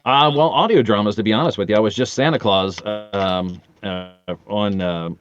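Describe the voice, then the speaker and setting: A man's voice: fairly low pitch, normal speed, highs cut off. A man in his forties chatting casually as a podcast guest, telling rambling, jokey anecdotes with casual swearing. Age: 40s.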